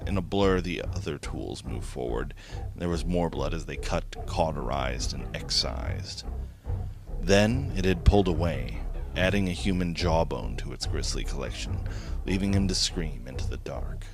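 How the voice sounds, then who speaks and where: A very deep, gravelly male voice reads a horror tale with slow, grave menace. His pitch swings widely for drama, and music plays clearly beneath him. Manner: slow, grave, ominous delivery. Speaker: narrator.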